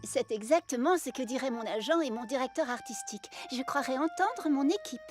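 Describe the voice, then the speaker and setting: A woman's voice: sits high, expressive, fairly quick. A woman in a French cartoon dub voicing a modest, polite young pop star who speaks a little hesitantly. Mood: grateful, polite. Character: young female pop star wanting ordinary life, modest. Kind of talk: French animated cartoon dubbing. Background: background music.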